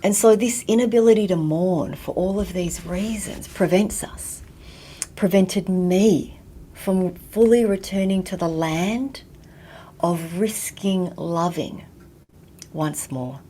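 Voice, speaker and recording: A woman from Vietnam, raised in Australia, giving a slow, reflective talk and often dropping to a near whisper. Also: lowish voice, warm tone, a little hiss or hum. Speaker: guest teacher.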